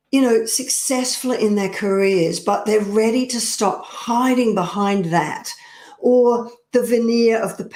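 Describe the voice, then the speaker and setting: Slow, earnest woman coach in a roomy space. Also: mid-range voice, darkish tone. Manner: slow, earnest and confiding, addressing the viewer directly. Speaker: personal power coach. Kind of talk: direct-to-camera coaching talk. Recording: roomy echo.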